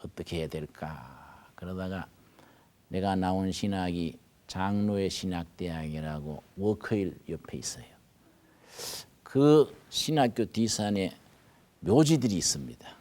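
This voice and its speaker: An older male pastor with a Gyeongsang Korean accent, telling stories in a folksy sermon, swinging from hushed asides to loud emphatic bursts. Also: deep voice, expressive, unhurried. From North Gyeongsang, Korea. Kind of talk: storytelling sermon.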